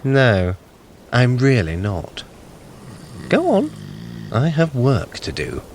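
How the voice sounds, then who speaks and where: An actor playing a clever, sly, haughty trickster god in an audio drama, with an arch, theatrical, condescending manner. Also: male voice, mid-range voice, wildly swooping pitch, slow, darkish tone, a little hiss or hum, full character voice. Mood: smug, lofty. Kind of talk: scripted audio drama acting.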